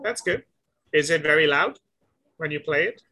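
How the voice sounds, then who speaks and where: A man's voice: on the high side, moderate pace, bright, forceful tone. A man teaching a one-on-one English conversation lesson over a video call, patiently asking simple questions, repeating and correcting the student's answers and praising her often. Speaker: English tutor.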